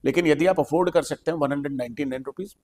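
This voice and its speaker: A man with an Indian accent teaches and hosts, talking a listener through questions with patient, repeated emphasis. His voice sits somewhat high, and a long reverb hangs behind it. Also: rapid-fire, darkish tone. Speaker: English teacher and host. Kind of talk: explaining in a podcast interview.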